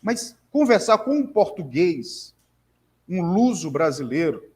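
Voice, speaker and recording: A Brazilian man in a conversational discussion, speaking earnestly and haltingly, with many repeated fillers and restarts. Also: sits high, big pitch swings. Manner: earnest, emphatic convictions. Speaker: conversation partner, bookseller.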